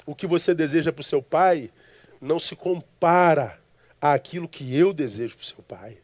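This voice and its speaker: A preacher voicing a divine visitor in white robes, a man who speaks calmly, softly and tenderly. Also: a little high, moderate pace, dry recording, close to an everyday voice.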